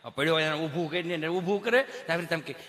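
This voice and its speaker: A man's voice: a little high, fast talker, in a large hall. A man telling comic stories on stage and acting out the people in them. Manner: animated, acts out mothers, children and doctors. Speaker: stand-up comedian. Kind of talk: Gujarati folk comedy storytelling.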